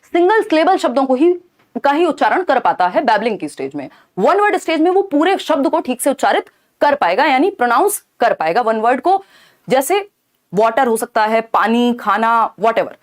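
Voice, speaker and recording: A woman with a high, bright-sounding voice teaches an exam-prep lecture. She explains each point step by step and keeps checking in with her students. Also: big pitch swings, moderate pace.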